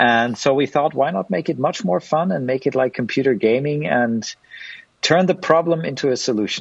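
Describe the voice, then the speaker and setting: A man's medium-pitched voice with a German accent, lively intonation and a moderate pace. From Germany. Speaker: sports tech entrepreneur. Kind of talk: interview. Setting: remote video call.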